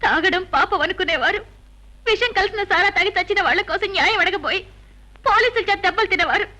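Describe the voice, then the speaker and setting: A tearful, wronged young wife. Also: female voice, extremely high pitch, quick pace, sharp tone. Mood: defiant. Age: young adult. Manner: tearful, pleading, indignant. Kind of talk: dubbed film acting.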